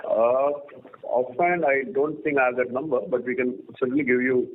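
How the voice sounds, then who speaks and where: A man with an Indian accent fields analyst questions as a company executive. He pauses often mid-sentence, and his voice comes through a narrow telephone band with faint noise and clicks. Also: mid-range voice, fairly even intonation. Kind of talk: earnings call question-and-answer. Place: conference call line. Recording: noisy phone line with clicks.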